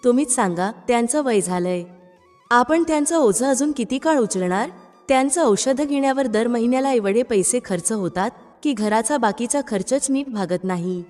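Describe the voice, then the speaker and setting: A woman's voice: on the high side, animated, moderate pace, darkish tone, lightly acted. Scheming young wife, read by a woman narrator. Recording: long reverb with background music.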